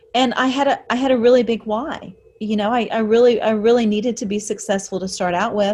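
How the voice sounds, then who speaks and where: A woman with a Southern US accent talks at a moderate pace with a high pitch. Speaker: real estate coach. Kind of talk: Q&A answer.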